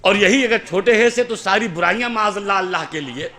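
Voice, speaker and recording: A male preacher with a high, bright voice delivers an oratorical sermon at an outdoor religious gathering. He guides listeners through chanted invocations. His tone is clear and carries forcefully. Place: outdoor conference in a mosque courtyard.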